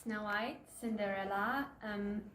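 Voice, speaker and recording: A woman's voice: medium pitch, unhurried, fairly bright tone, slight background noise. A woman on a church crew taking part in a challenge, hesitant and careful. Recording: echoey room with faint ambience.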